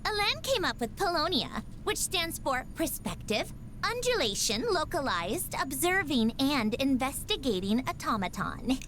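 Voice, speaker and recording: A woman's voice: high voice, sing-song, unhurried, a bit bright, slight background noise, heavily acted. An actress playing a haughty, brainy young female inventor in a video game, speaking precisely and with cool superiority. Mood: matter-of-fact, superior. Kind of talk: scripted video game character voice lines.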